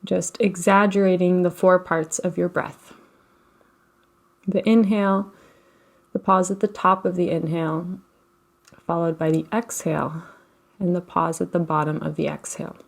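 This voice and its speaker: Woman gently guiding a slow meditation. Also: lowish voice, level tone, gravelly. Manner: gentle, unhurried, soothing with long pauses. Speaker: guided relaxation and meditation teacher. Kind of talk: guided meditation, slow instruction.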